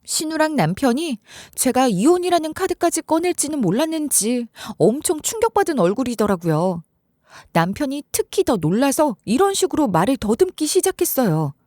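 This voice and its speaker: A woman narrating a first-person story script for a story radio show in an expressive, lively way. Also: high voice, normal speed, dry recording, clean studio sound.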